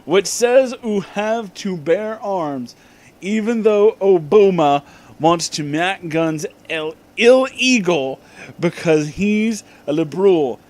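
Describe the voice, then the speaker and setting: Man playing young heroine, melodramatic, exclaiming, raised pitch, slow delivery, comic story reading. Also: lively intonation, a little mellow. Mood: overdramatic. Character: melodramatic young heroine narrator of badly written fan fiction.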